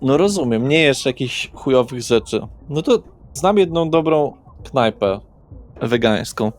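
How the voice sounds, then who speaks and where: A man's voice: medium pitch, lively intonation, unhurried, close to an everyday voice. A man voicing a cocky, eager young street tough who swears and talks in pushy slang in a tabletop roleplaying game.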